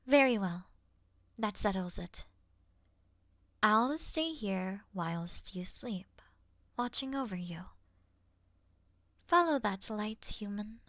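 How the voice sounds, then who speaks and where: A woman playing an earnest, awkward moth girl in a sleep-aid roleplay, soft and often whispering, with a gentle, slightly formal manner. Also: medium pitch, lively intonation, takes it slowly, pauses often, dry recording, clean studio sound. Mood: tender, soothing.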